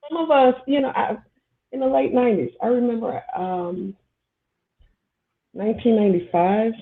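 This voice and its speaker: A woman's voice: a little high, moderate pace. A woman in her forties, born in Somalia, speaking as a guest on a casual panel chat in a candid, rambling way. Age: 40s. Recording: tinny phone-like line.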